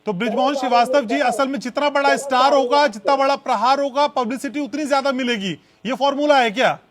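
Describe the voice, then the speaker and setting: High-pitched, pushy male debate anchor. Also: a little fast, a bit bright. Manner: pressing, interrupting, repeats his challenge. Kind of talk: TV studio debate.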